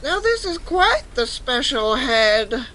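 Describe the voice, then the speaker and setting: A woman's voice: high voice, very animated, takes it slowly, pushed and bright, slight background noise, full character voice, poor audio. A woman playing an evil, vain, scheming princess with a witch's head, gloating theatrically in an audio drama.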